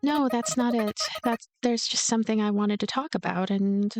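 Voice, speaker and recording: A woman's voice: fairly high pitch, normal speed, over music, close to an everyday voice. A woman voicing a lonely, anxious young ghost girl who narrates a story game in a hesitant, introspective way. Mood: flustered.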